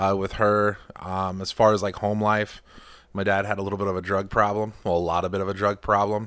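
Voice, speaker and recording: Over a silent background in a very clean recording, a man speaks with monotone, flat intonation. His pitch is fairly low and his pace fairly quick. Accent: American. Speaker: tattoo artist and MMA coach. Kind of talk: casual chat.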